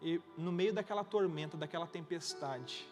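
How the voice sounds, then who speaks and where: A man's voice: on the high side, moderate pace, soft background music. A Brazilian man preaching as a pastor, retelling a conversation and acting out both sides as he tells the story. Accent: Brazilian Portuguese. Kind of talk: sermon with retold dialogue. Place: church hall. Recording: reverberant church hall, instrument behind.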